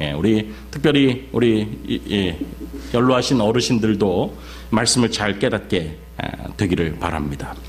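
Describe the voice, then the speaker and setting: A man's fairly low voice with very wide pitch swings, a fairly slow pace and long, frequent pauses, amid noticeable background noise and audible room echo. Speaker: pastor. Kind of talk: sermon.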